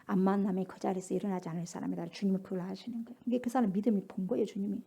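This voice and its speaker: A woman pastor preaching a sermon at a prayer meeting, emphatic, swinging from loud calls to hushed whispers. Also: mid-range voice, fairly even intonation, very fast, creaky, husky. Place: church sanctuary.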